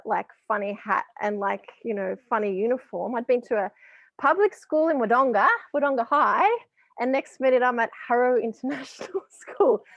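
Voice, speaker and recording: A woman's voice: a little high, no echo, highs cut off. An Australian woman in her thirties, telling stories in a casual interview and laughing often. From rural Victoria, Australia. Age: 30s. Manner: chatty storytelling, laughs often. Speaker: guest.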